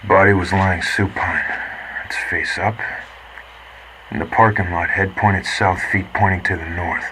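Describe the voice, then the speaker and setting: An actor playing a grim 1950s man reading a report aloud deliberately, as heard on an old tape. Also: low-pitched, fairly even intonation. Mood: grim, matter-of-fact. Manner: deliberate, muttering disgusted asides. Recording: noisy old wire-tape recording.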